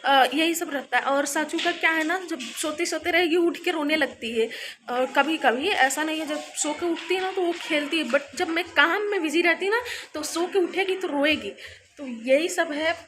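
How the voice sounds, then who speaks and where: Young woman, high voice, easy home-vlog chatter with frequent laughs, phone mic indoors. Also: moderate pace, background noise. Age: young adult. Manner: chatty, laughs often while talking. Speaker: vlogger. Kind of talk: casual home vlog chat.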